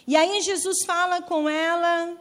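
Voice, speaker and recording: A woman pastor preaching a sermon with impassioned, dramatic swings in loudness. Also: extremely high pitch, steady tone, a little slow. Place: large convention center hall. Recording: reverberant convention hall.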